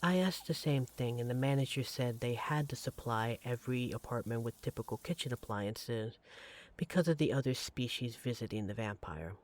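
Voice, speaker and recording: A man playing an affectionate, devoted vampire partner in a roleplay audio drama, speaking in a tender, gently teasing, conversational way. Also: mid-range voice, moderate pace, lightly acted. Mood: teasing, amused. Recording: clearly audible background noise, sizzling kitchen effects.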